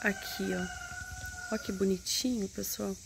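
A woman's voice: mid-range voice, fairly even intonation, a little slow, creaky, background noise. A woman with a Brazilian Portuguese accent from Paraná, chatting casually through her cooking in a home kitchen and often checking in with her viewers. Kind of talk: casual step-by-step cooking narration. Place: home kitchen with wood stove. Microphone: phone camera. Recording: food sizzling in the background.

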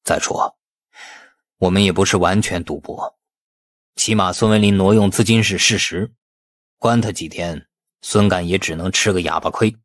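A man's voice: low voice, steady tone, moderate pace, pauses often, dry recording, studio quality. A man voicing a calculating, risk-taking police boss in audiobook dialogue.

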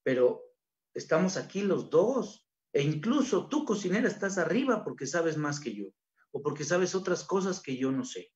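Mexican man, lively colloquial lecturer, slightly high voice, dull lo-fi recording. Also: normal speed. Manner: colloquial, animated, acts out quoted voices. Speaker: conference speaker, gastronomy researcher. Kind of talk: informal conference talk.

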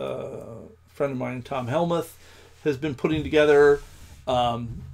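Slow, gravelly man thinking aloud while coding. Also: fairly high pitch. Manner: thinking aloud, many ums, slow halting speech. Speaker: programming livestream host. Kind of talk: live coding with commentary.

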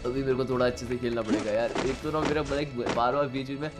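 A young man with a sore throat, commentating his own gameplay in Hindi-accented speech, yelping when surprised and otherwise keeping his voice low. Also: brisk. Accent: Indian Hindi. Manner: excitable, yelps loudly when surprised, speaks softly to spare his throat. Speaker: gaming YouTuber. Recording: game music and gunfire behind.

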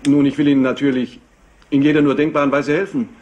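An actor playing a stiff, guarded, imperious company executive in a crime radio play, speaking formally and curtly. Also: male voice, fairly high pitch, little pitch movement, darkish tone, muffled recording, close to an everyday voice. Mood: guarded, stern. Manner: formal, curt, measured.

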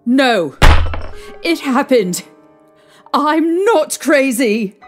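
A young woman playing a distraught, haunted mother recounting her ordeal emotionally and haltingly in an audio drama. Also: high-pitched, expressive, over music, heavily acted. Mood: frantic, defensive.

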